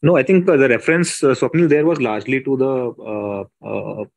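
A man speaking as a company executive, giving measured, hesitant answers on an earnings call. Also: mid-range voice, expressive, creaky, darkish tone, dry recording. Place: conference call.

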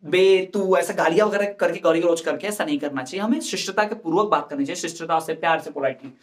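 A man with a rather high voice teaches an exam-preparation class. He explains each point patiently, works through examples and repeats the key terms so students can follow. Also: fast. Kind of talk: exam-prep lecture.

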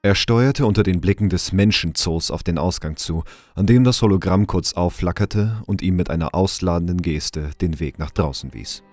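A man's voice: sits low, normal speed, few pauses, a little mellow, no room sound, soft background music. A man reading scripted narration for a German audio drama.

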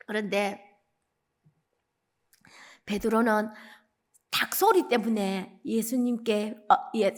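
A woman evangelist with a Gyeongsang accent, preaching a dawn service sermon as animated storytelling. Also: on the high side. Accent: Gyeongsang Korean. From Gyeongsang region, South Korea. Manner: animated storytelling, acting out quoted lines.

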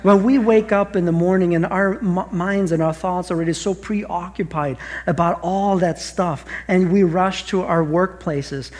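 On a large church stage with listeners present, a pastor in middle age preaches earnestly with an Austrian accent. His high-pitched voice is a little mellow, and he keeps restarting and throwing out rhetorical questions.

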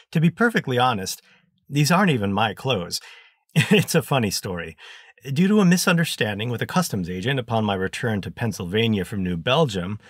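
Man putting on a pompous chatty gentleman. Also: medium pitch, dry recording, clean studio sound, pitched above the performer's own voice. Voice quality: pompous, wordy.

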